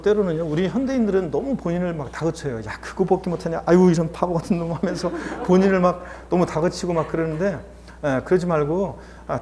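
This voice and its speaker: A man's voice: fairly high pitch, dark tone, slight background noise. A man teaching a lecture course in a chatty, encouraging way. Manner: chatty and encouraging, often starts with "자". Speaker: instructor.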